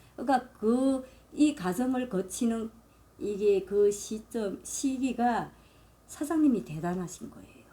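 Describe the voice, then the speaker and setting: Speaking at a very slow pace, a woman uses a fairly high pitch, lively intonation, big swings in loudness, and a somewhat breathy, dark, mellow tone. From North Korea, Ryanggang Province. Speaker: North Korean defector, former travel agency worker. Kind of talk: interview chat.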